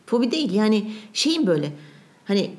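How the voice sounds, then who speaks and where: A young woman chatting casually as a podcast co-host, animated and ranting about everyday annoyances. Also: mid-range voice, a little fast. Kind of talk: casual chat.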